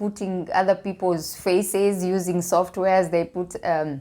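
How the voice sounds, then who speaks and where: A woman with an American accent speaks fairly slowly at medium pitch, with fairly even intonation, in a very clean recording with a silent background. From Kenya. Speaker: relationship coach, vlogger. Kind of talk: casual storytelling vlog. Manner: conversational, with fillers and repetitions.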